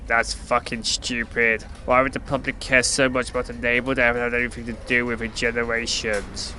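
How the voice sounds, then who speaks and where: A very sharp, bright-voiced male hero, played by an actor in an audio drama, blunt and grumbling. Faint noise sits behind his exasperated delivery. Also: medium pitch, little pitch movement, brisk, close to an everyday voice. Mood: blunt, questioning. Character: exasperated sweary flying hero, stranger from Earth. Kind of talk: scripted audio drama acting.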